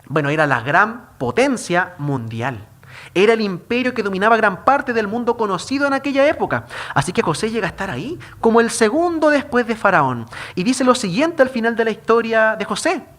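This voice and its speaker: Chilean male pastor, high, very lively pitch, emphatic sermon delivery with rhetorical questions. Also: a little fast.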